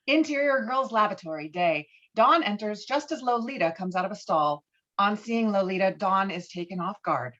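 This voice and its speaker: A woman's voice: medium pitch, expressive, moderate pace, fairly bright tone. A woman reading scripted stage directions and scene headings for a table read over a video call. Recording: dull, lo-fi online call audio.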